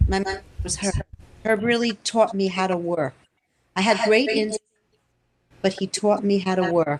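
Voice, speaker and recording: A woman with a New York accent, at medium pitch and a moderate pace, with ordinary pitch variation. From Brooklyn, New York. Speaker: singer and actress. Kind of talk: interview answer.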